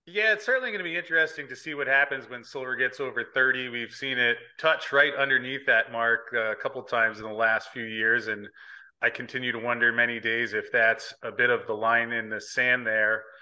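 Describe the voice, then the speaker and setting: Here is a man with an ordinary speaking voice at a medium pitch. He talks at a fairly quick pace with ordinary pitch variation. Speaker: show host. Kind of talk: interview, news-style commentary. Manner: friendly, conversational.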